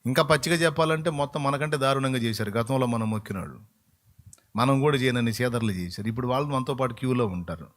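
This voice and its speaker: A man's voice: medium pitch, quick pace. A male pastor, preaching a sermon in a colloquial, emphatic way and acting out bits of dialogue.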